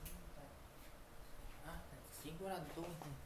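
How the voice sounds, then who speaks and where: A man with a Filipino accent rambles in an unscripted monologue, haltingly, repeating himself and breaking off phrases. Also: on the high side, steady tone. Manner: halting, repetitive, with broken-off phrases. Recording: echoey room with loud background noise.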